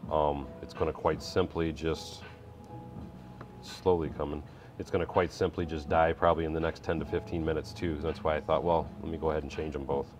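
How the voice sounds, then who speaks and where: A man's voice: extremely low pitch, level tone, brisk, over music. A middle-aged man hosting a live building stream, chatting casually, reading viewer comments and laughing easily. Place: indoor workshop room.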